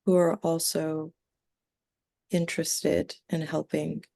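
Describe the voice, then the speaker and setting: In a seance trance, a woman channels a calm collective of six extraterrestrials, her voice low and gravelly. She speaks in short, formal, solemn phrases, very slowly and with long breaks, in a heavily acted, detached tone typical of a medium.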